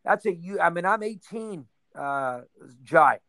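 Rambling man with a high clear voice. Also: animated, pushed and bright, no room sound. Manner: rambling, lists names in quick bursts. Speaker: interview guest. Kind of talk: casual reminiscing interview.

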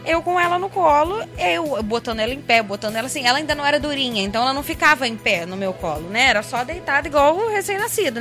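Woman, new mum, high bright voice, lively storyteller, soft music underneath. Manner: animated storyteller, acts out quoted voices. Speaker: guest, new mother. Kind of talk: casual chat.

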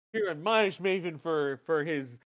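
A man's voice: a little high, expressive, unhurried, fairly bright tone. A man co-hosting a casual wrestling recap podcast, bantering loosely, laughing often and swearing freely. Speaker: podcast co-host.

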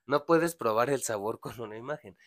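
This young man, speaking Mexican Spanish, recounts a casual story packed with slang and swearing while playing out its characters. His voice is mid-range and fairly quick, recorded in studio quality with no room sound.

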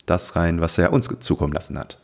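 A man's voice: sits low, lively intonation, a little fast, vocal fry, a little mellow. A man co-hosting a podcast in casual conversation. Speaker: podcast co-host.

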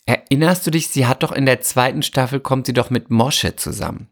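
Deep-voiced actress lady chatting, dramatic and giggly. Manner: excitable, dramatic, quick to laugh. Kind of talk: casual chat.

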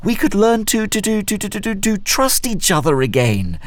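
A man's voice: high-pitched, very animated, normal speed, no room sound. An actor playing an older, cornered crime boss in an audio drama, smug and wheedling, stammering as he justifies himself. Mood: panicked pleading.

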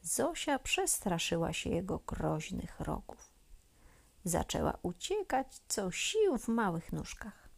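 A woman reading a children's story aloud as a storyteller, gentle and expressive, often dropping to a near whisper. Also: lowish voice, takes it slowly, vocal fry, breathy edge.

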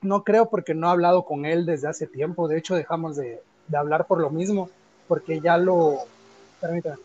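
A man's voice: a little high, steady tone, normal speed, a little mellow, highs cut off. A man with a Mexican accent chatting casually and telling personal anecdotes in informal, slangy speech.

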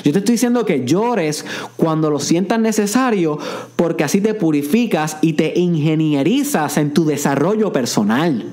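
A man's voice: fairly high pitch, lively intonation, normal speed, a little mellow. A man delivering a motivational self-help monologue, addressing the listener directly in a repetitive coaching tone and dropping English phrases into his speech. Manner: mixes English phrases into Spanish.

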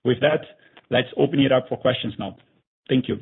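A man with a gravelly, husky voice formally reading a scripted earnings presentation as a finance executive over a narrow conference phone line. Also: medium pitch, normal speed. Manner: formal, reading from prepared remarks.

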